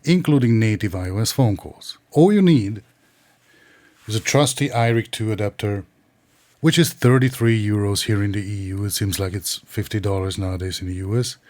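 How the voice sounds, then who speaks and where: A man's voice: fairly low pitch, moderate pace, darkish tone, no room sound. A man narrating an instructional tech tutorial in a methodical, precise, explanatory way. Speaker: tech reviewer and tutorial presenter.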